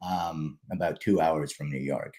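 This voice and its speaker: A man's voice: a bass voice, fairly even intonation, a little slow, darkish tone, breathy edge. A man from Canada, a guest on a livestream interview, talking in a friendly, easygoing way. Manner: friendly, easygoing, some restarts. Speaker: guest, kids' fitness founder. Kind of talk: casual interview. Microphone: video call livestream.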